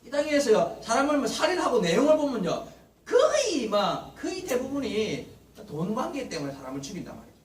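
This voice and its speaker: A man's voice: extremely high pitch, huge pitch swings, a little fast. A man preaching a Sunday morning sermon as pastor, acting out the words of Bible figures. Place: church sanctuary. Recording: roomy church echo, mic at a distance, faint hiss.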